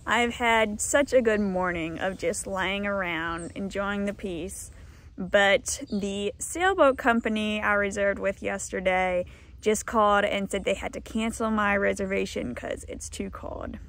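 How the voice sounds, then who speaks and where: A woman's voice: medium pitch, unhurried. A woman in her thirties casually narrating a travel vlog, chatty and upbeat, recorded on a close camera in a minivan and outdoors. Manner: chatty, upbeat, sometimes whispering softly. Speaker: travel vlogger.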